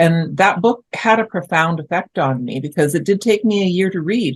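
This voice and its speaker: A woman with a Canadian accent speaks in a normal speaking voice at a moderate pace with ordinary pitch variation. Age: 60s. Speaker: children's author. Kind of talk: interview.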